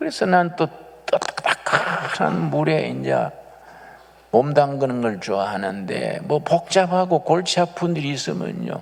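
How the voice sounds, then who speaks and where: With noticeable background noise behind him, a man talks at a very slow pace. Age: 80s+. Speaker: pastor. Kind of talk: sermon. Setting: church. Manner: conversational, folksy.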